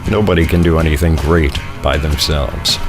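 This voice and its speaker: Deep-voiced American male announcer over music. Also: steady tone, moderate pace. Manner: polished announcer delivery, self-promoting pitch. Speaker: voiceover artist and radio production director. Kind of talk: scripted promotional narration. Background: music bed under the voice.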